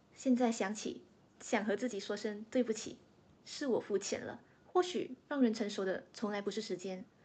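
Somewhat breathy and dark, mellow in tone, a woman speaks at a fairly high pitch and a moderate pace with ordinary pitch variation and long, frequent pauses. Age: 20s. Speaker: vlogger / podcaster. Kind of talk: personal reflection monologue.

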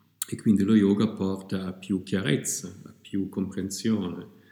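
With a German accent, a man speaks at a moderate pace in a very deep, low voice with a dark, mellow tone. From Germany, Frankfurt. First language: German (speaking Italian). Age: 50s. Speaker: yoga teacher. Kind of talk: interview. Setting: at the guest's yoga studio. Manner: halting.

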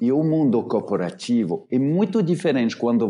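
The voice has a dark, mellow tone and lively intonation. It moves at a fairly slow pace against a quiet background. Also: man. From France. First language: French (speaking Portuguese). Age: 40s. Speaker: entrepreneur. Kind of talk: interview.

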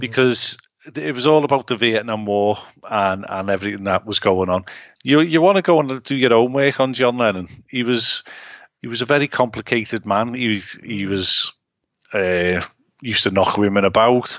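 With a Liverpool accent, a man speaks at a medium pitch. His pace is moderate and his pitch variation ordinary. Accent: Liverpool (Scouse). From Liverpool, England. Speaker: podcast owner. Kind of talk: casual banter chat.

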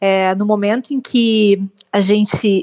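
A woman talks very slowly, holding a medium pitch that varies in an ordinary way. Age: 40s. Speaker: author. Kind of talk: interview. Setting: video call.

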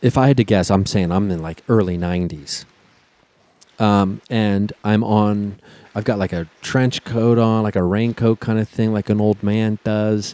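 In an American accent, a man speaks at a fairly slow pace and fairly low pitch, with fairly even intonation and a normal speaking voice. The sound is dry and close with no echo. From Dayton, Ohio, US Midwest. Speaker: stand-up comedian and podcast co-host. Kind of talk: casual chat. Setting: remote recording, remote call.

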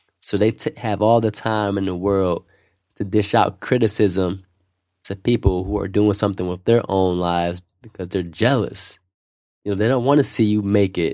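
Moderate pace and fairly even intonation. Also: man. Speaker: self-help podcast host. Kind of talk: motivational monologue. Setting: studio. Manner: subdued, sober.

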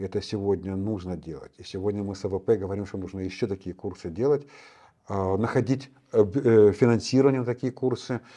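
A man's fairly low voice, dark and mellow, at a fairly quick pace with ordinary pitch variation, big swings in loudness, and a quiet background. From Ukraine, Kharkiv. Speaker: IT businessman and charity activist. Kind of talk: interview.

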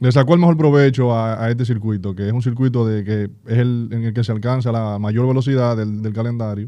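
This man's voice has a medium pitch and a dark, mellow tone. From Dominican Republic, Haina. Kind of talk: casual chat.

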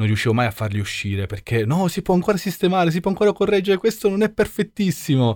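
A man's voice with very wide pitch swings. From Rome, Italy. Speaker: podcast host. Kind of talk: casual chat. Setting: studio.

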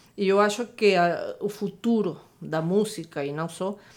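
Using ordinary pitch variation, a woman speaks at a fairly slow pace and medium pitch. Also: big swings in loudness. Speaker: orchestral violinist and violin teacher. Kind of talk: interview. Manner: halting.

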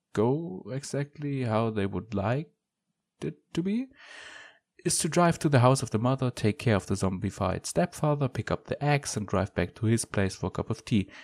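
In a German accent, a man talks at a moderate pace with lively intonation and medium pitch, recorded very cleanly against a silent background. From Germany. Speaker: podcast host. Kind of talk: philosophy lecture.

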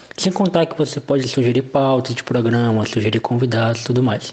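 Noticeable background noise behind a fairly quick pace and ordinary pitch variation. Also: man. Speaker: co-host doing intro and ad read. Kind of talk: scripted-style promo intro.

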